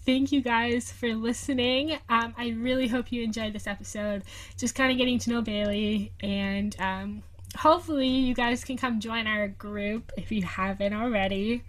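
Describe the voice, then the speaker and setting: With a slightly high voice, steady tone, and moderate pace, a young podcast host chats casually over a video call. She is bubbly and giggly, and fillers come up constantly.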